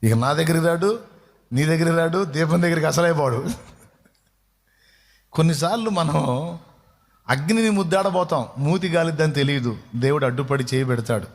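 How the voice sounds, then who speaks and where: A man's voice: a little high, normal speed, pauses often, big-room sound. A man preaching a sermon as a pastor, telling stories and asking his listeners questions. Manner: storytelling preacher who asks the listeners rhetorical questions.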